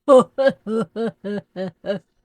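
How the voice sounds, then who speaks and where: A woman's voice: medium pitch, drawn-out words, no echo. A woman voicing an easygoing old grandfather who chuckles and draws out his words. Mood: amused.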